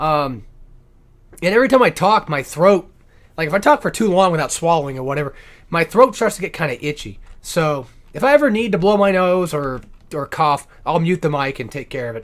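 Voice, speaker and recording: At a fairly quick pace, a man with a high pitch speaks with lively intonation on a very clean recording with a silent background. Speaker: gaming video creator. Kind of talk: let's play commentary. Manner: casual, halting.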